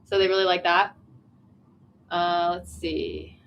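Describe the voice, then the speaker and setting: A woman's voice: lowish voice, very animated, slow pace, a bit bright, slight background noise. A young woman from Virginia hosting a casual livestream from a small tea room, chatty and giggly as she reads viewer comments aloud. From Virginia, USA.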